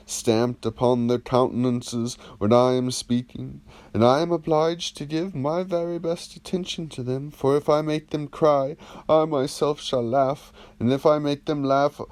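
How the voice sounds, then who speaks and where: A man's voice: mid-range voice, darkish tone, close to an everyday voice. A man reading the part of an agreeable, earnest epic-poetry performer in a classical dialogue audiobook, formal and deferential.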